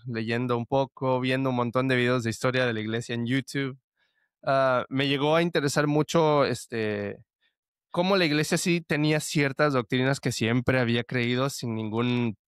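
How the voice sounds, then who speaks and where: A man's voice: mid-range voice, moderate pace, fairly bright tone, clear, resonant tone, no echo, studio quality. A young man telling his story as a podcast guest, earnest and full of restarts. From El Salvador. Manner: earnest, with frequent restarts and fillers like "este". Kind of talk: conversational testimony.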